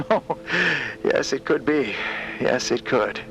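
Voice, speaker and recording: An actor playing a flustered, eager and deferential space explorer who stammers and rambles in a podcast drama. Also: male voice, mid-range voice, lively intonation, takes it slowly, lo-fi sound, a little hiss or hum. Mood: awed, hesitant. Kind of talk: fiction podcast character acting.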